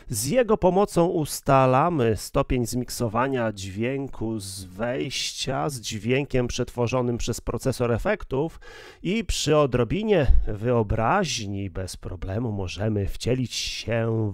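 A man's voice: medium pitch, darkish tone, no echo, clean studio sound. A man demonstrating and reviewing a piece of gear in a casual, explanatory way. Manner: explanatory, measured. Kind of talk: casual product demo.

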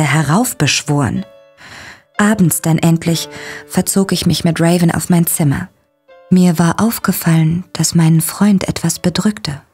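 An actress narrating in first person as a young woman telling a shocking discovery, dramatic and breathy, sometimes whispering. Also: fairly low pitch, a little mellow. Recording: narration over music. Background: music.

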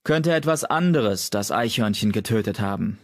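A man's voice: fairly low pitch, animated, moderate pace. A man voicing a stern male cat who leads his clan and gives orders in an audiobook. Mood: commanding. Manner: commanding, growled.

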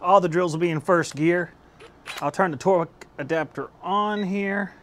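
A man's voice: sits high, moderate pace, a bit bright, slight background noise. A man in his thirties casually reviewing drills in his home workshop, talking into a lapel mic in an easygoing, chatty way. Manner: chatty and easygoing, laughs at his own results. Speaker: tool-testing YouTube host. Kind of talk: casual hands-on tool review. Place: home workshop with shelves of power tools, indoors. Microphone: clip-on lapel mic.

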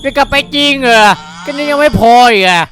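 A man's voice: very high-pitched, a little fast, pushed and bright. A man improvising as a companion character in a game roleplay. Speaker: player acting as companion in a Minecraft roleplay.

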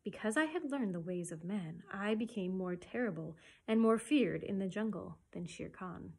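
A woman voicing a wise, protective male black panther from a storybook, speaking gently and earnestly with emphasis. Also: mid-range voice, expressive, moderate pace, vocal fry, slightly rough. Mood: gentle, confiding.

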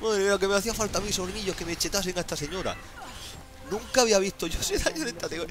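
A man giving excited gameplay commentary as a streamer, exclaiming, laughing and swearing often. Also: sits high, very fast. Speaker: gaming streamer.

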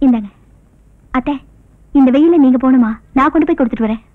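A woman playing a bright, eager village daughter. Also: high voice, fast talker, lightly acted. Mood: dutiful. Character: dutiful young village daughter. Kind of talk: 1990s film drama acting. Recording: tinny film audio with faint hiss.

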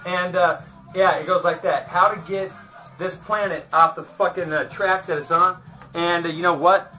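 Boastful man ranting profanely to camera, slightly high, raspy voice, muffled lo-fi sound. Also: steady tone, moderate pace, pushed and bright. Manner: profane, boastful, laughs between phrases. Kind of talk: rambling rant to camera.

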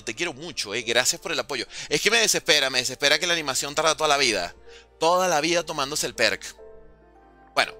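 A man streaming a zombies game live, talking to his chat, thanking donors and yelping in alarm when things go wrong. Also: medium pitch. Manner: excitable, yelps and repeated cries of alarm; chatty with viewers, thanks donors. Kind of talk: live gameplay commentary, reading chat.

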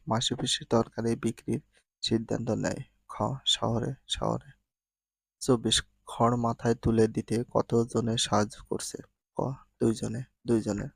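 A man's voice: fairly low pitch, gravelly, slightly rough, no echo. A man reading out multiple-choice questions and answers as a teacher, repeating each answer plainly. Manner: reads each answer twice, slowly and plainly.

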